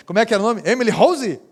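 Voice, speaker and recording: High-voiced Brazilian pastor preaching. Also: male voice. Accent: Brazilian Portuguese, Minas Gerais. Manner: storytelling, rising to shouts at climaxes. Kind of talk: sermon.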